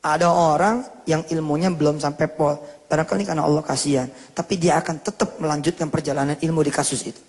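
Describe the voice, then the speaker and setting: In a slightly rough, higher-pitched voice and at a quick pace, a preacher tells a story-based sermon, acting out the dialogue with lively energy. The sound carries a reverberant hall quality.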